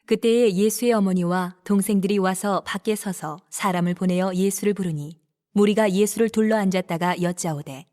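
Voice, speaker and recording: A woman narrating scripture in a steady, even scripted reading. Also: medium pitch, normal speed.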